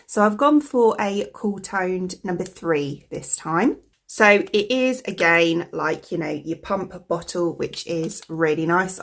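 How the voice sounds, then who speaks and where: A woman with a croaky voice from a cold, chatting casually as a beauty vlogger, rambling with lots of fillers. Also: fairly low pitch. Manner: rambling, full of fillers like "like" and "you know". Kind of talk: chatty product review.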